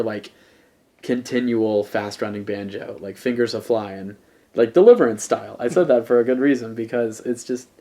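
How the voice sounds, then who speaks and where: A man's voice: mid-range voice, darkish tone. A man co-hosting a music review podcast, talking in a rambling, fond way. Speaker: podcast co-host. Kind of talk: casual chat.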